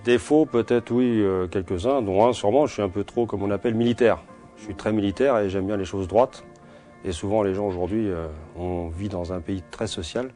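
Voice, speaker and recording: A man's voice: fairly low pitch, brisk, warm tone, faint music behind. A man in his forties, from Portugal, answering interview questions in a hesitant way, with many fillers and restarts. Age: 40s. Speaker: security company owner.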